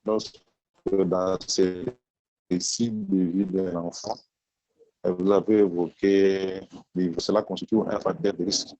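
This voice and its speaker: A man's voice: low voice, level tone, unhurried, dark tone, dry recording. A man in an online class asking a hesitant question, his voice breaking up into a choppy half-robotic sound from a bad connection. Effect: choppy half-robotic voice from a bad internet connection. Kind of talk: asking a question in a video call. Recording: lo-fi broken-up video call audio.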